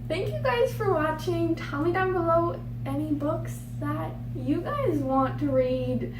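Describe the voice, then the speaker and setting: A woman's voice: high voice, unhurried. A young woman talking casually to camera about books she wants to read, chatty and rambling, often stumbling over names. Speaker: book vlogger. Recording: roomy echo, distant mic, noticeable hum.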